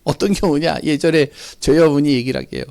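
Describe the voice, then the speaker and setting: A man's voice: a little high, fast, creaky, darkish tone, no room sound. A male pastor preaching a sermon in a church, telling personal stories and asking the congregation rhetorical questions. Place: church sanctuary.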